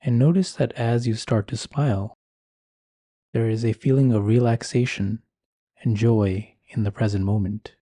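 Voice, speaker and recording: A man leading a guided meditation in a calm, soothing, unhurried manner, leaving long pauses between phrases. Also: medium pitch, no echo. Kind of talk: guided meditation, slow scripted instruction.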